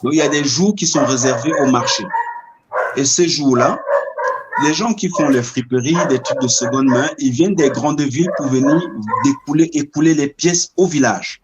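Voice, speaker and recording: A middle-aged man from Cameroon speaks as an interview guest, at an ordinary male pitch. He tells his story slowly and reflectively, weighing his words and often pausing to find the right one. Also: heavy background noise. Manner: measured, searching for words.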